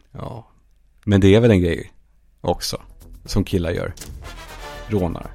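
A man hosting a solo comedy podcast, telling absurd stories in a deadpan way and now and then shouting out quoted lines. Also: sits low, gravelly, faint music behind. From Sweden. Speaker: podcast host.

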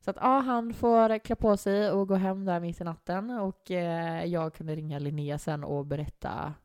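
Animated Swedish-speaking young woman storyteller. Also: on the low side, dry recording, clean studio sound. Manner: animated, acts out quotes. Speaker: guest. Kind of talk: casual storytelling.

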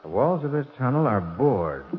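A man's voice: medium pitch, very animated, moderate pace, narrow, tinny audio, natural voice. An actor playing a confident, level-headed male private detective in a 1940s radio crime drama. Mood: calm, reassuring. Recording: thin, noisy vintage radio recording.

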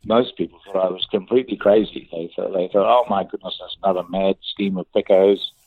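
A man in his sixties with a New Zealand accent, telling his life story as an interview guest in a plain, unhurried way. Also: low-pitched, steady tone, slightly rough, dry recording. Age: 60s. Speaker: interview guest, business founder. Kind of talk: conversational interview. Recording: dry, phone-like remote line.

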